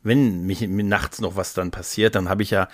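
A man's voice: low-pitched, fairly even intonation, moderate pace, dry recording, clean studio sound. A man hosting a casual podcast chat in a jokey, rambling way, often repeating his words. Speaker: podcast host.

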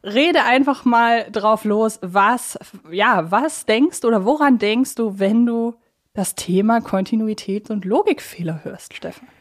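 A woman's voice: on the high side, a little slow. A young adult woman with a German accent hosting a casual podcast, explaining things in wordy, self-correcting loops. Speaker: podcast host.

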